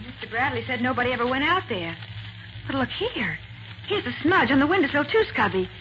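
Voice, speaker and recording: An actress playing a quick-witted, eager American detective's assistant in 1940s radio crime drama. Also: female voice, high voice, big pitch swings. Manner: alert, inquisitive. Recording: dull, noisy 1940s radio recording.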